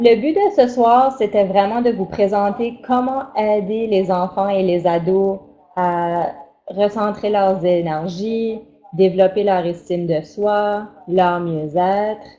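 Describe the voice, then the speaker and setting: A woman with an Acadian accent speaks at a very slow pace and medium pitch with ordinary variation, over noticeable background noise. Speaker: yoga instructor trainer. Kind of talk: webinar presentation. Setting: online webinar.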